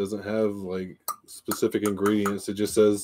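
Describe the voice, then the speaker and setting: A man with a fairly low pitch and a dark, mellow tone, monotone and flat, at a moderate pace. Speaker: YouTube channel co-host. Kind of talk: casual live stream chat while painting. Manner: jokey, laughs often. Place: home room.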